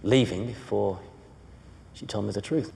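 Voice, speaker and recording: An actor playing an evasive, hesitant witness on the defensive in a television courtroom drama. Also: male voice, on the low side, a little slow, vocal fry, warm tone, big-room sound. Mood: defensive, uneasy. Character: defensive, evasive male witness under cross-examination.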